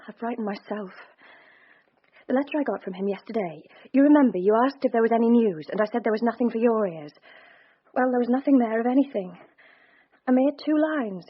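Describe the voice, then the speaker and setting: Young jilted Victorian woman, breathy, higher voice, restrained and earnest; dull radio play sound. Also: animated, brisk. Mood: hushed. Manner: restrained, earnest, quietly breaking. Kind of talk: radio drama acting.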